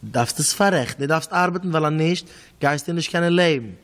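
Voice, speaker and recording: A man with a Hasidic Yiddish accent preaches a storytelling sermon in a fairly high voice. His delivery swings between soft and loud, and he repeats words as he goes. His voice rings out with a long reverb in a large hall. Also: fairly quick. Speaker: rabbi giving a talk.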